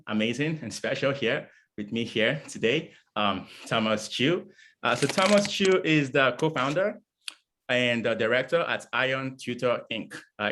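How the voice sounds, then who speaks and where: A man's voice: medium pitch, a bit bright. A man hosting an interview, rambling his way through questions with many "you know" and "um" fillers. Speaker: interview host.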